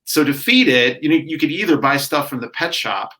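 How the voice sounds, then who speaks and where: A man's voice: a little high, lively intonation, fairly quick, sharp tone. A man co-hosting a local talk show in casual chat, telling rambling stories full of "like" and filler words. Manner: rambling, filler-heavy storytelling with frequent "like". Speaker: co-host.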